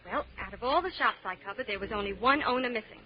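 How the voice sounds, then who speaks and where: An actress playing a curious, spirited detective's sidekick in an old radio drama, perky and inquisitive. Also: female voice, fairly high pitch, lively intonation, quick pace, natural voice. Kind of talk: 1940s radio drama acting. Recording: muffled, noisy old radio recording.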